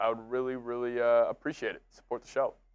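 A man speaks fairly quickly, with only quiet in the background. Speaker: sports streamer. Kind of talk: live commentary. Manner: casual. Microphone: headset.

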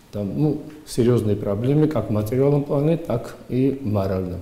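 There is audible room echo as a man speaks with a Georgian accent. He moves at a moderate pace with ordinary pitch variation. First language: Georgian (speaking Russian). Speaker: co-host; guest. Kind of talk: studio discussion on faith and history. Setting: studio. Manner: halting. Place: studio.

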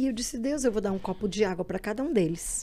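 A woman with a fairly high voice and a dark, mellow tone speaks with ordinary pitch variation. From Rio Grande do Sul, Brazil. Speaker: mother sharing faith testimony; podcast guest. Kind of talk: testimony. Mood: earnest, emotional testimony. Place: studio. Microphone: studio mic.

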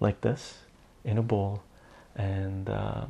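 Fairly even intonation in a somewhat breathy voice. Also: man. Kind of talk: casual vlog chat. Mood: cheerful and relaxed. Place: home room. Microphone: webcam.

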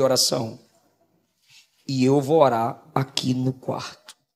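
A man is speaking. His tone is intense. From Ilhéus, Bahia, Brazil. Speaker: pastor preacher. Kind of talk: sermon with personal testimony; fervent, loud, pleading prayer at the climax of the sermon. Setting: church with congregation. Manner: fervent, crying-out, intense, rising in volume. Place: church. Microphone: handheld.

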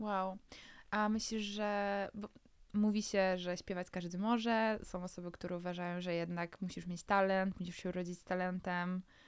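A woman speaks in a monotone, flat intonation at a moderate pace. The background is quiet. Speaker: podcast host. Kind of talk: casual interview conversation. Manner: hesitant, many fillers. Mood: warm, attentive. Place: studio. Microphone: studio mic.

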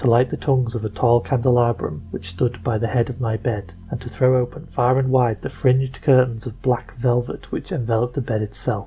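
Barely pausing, a man talks at a fairly quick pace with ordinary pitch variation. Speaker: podcast narrator. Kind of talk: literary reading.

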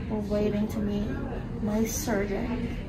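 A woman talking at a fairly slow pace over loud background noise. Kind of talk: casual vlog chat. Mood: impatient, wry. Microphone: phone near.

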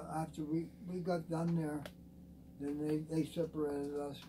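A somewhat breathy man at a fairly high pitch, his intonation fairly even, over noticeable background noise. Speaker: World War 2 veteran. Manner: rambling; halting. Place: kitchen. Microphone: camera far.

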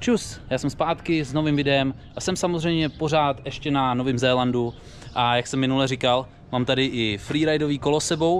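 With light background noise behind him, a man speaks at a moderate pace with fairly even intonation. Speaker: mountain bike rider vlogger. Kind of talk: casual vlog chat. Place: street. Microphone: phone near.

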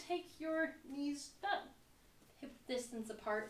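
A woman's voice carries audible room echo, with light noise behind it. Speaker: yoga instructor. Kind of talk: guided yoga instruction, calm step-by-step cues. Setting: video for a YouTube channel. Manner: soft, slow, soothing and unhurried; casual and friendly, with small filler words. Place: home room.

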